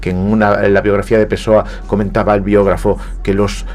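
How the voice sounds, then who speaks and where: A man's voice: on the low side, little pitch movement, fairly quick, darkish tone. A man from Galicia with a Spanish accent, speaking reflectively as a guest on a radio interview, often hesitating and repeating words. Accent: Spanish, from Spain. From Galicia, Spain. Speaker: guest writer. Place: radio studio.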